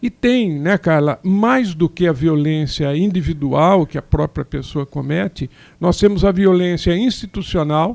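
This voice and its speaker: In a very clean recording with a silent background and a dry, close sound with no echo, a high-pitched man talks fairly slowly with lively intonation. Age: 60s. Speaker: physician and professor. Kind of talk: radio interview.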